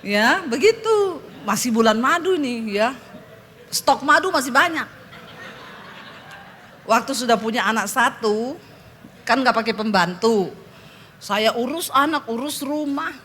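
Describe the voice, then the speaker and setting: A high-pitched, middle-aged woman pastor preaches a humorous testimony from a church stage. She tells her story in a lively, joking way, acting out the quotes. Faint ambient noise sits behind her voice. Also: a little slow, long pauses.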